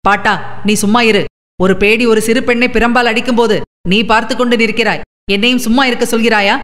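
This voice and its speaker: A woman's voice: on the high side, fairly even intonation, a little fast, fairly bright tone, natural voice. Woman doing a defiant young hero from an audiobook, fiery and indignant, with a long echo. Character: fierce young male idealist hero. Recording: long reverb.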